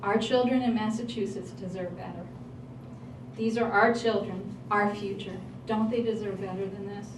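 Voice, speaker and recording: A woman's voice: medium pitch, fairly even intonation, moderate pace. A woman reading a prepared statement at a public hearing in an earnest, pleading manner. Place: large hall at a public hearing. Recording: roomy hall, voice from a distance, faint noise.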